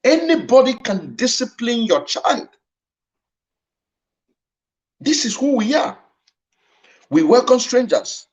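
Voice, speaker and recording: Over dull lo-fi stream audio, a man with a Nigerian Igbo accent delivers an impassioned livestreamed lecture, repeating phrases for emphasis. His voice sits high and is a little mellow.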